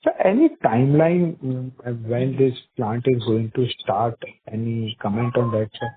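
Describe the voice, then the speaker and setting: Male analyst caller, Indian accent, polite and deferential, mid-pitched, heard through a tinny, narrow phone connection. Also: measured pace, slight background noise. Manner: deferential, repeatedly saying sir. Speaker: investor or analyst caller asking questions. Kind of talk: conference call questioning. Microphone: phone call. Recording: muffled tinny phone line.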